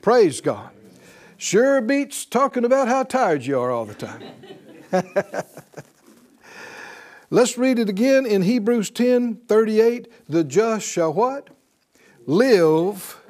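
Animated preacher man leading call-and-response. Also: high voice, slow, pauses often. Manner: exhorting, call-and-response with congregation; repeats phrases for emphasis. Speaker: pastor. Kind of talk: sermon.

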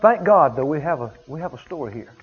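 A man's voice: fairly high pitch, expressive, quick pace, husky. A male pastor preaching a sermon in an emphatic, repetitive storytelling way. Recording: dull lo-fi sound.

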